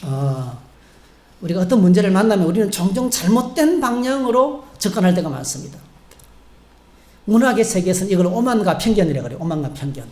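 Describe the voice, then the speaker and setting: A middle-aged man preaching a sermon from the pulpit, with a mellow, soft-edged voice. He tells the story casually, pausing for asides and acting out the lines of the people in it. The sound carries the echo of a church hall. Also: high voice, big pitch swings. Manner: conversational storytelling preaching with fillers and acted-out quotes. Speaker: pastor. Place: church sanctuary.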